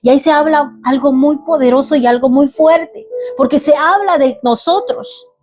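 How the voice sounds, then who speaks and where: A woman reading a Bible passage aloud and then reflecting on it in earnest, halting commentary. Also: high-pitched, darkish tone. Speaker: ministry teacher. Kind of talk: reading scripture and preaching. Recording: faint music behind.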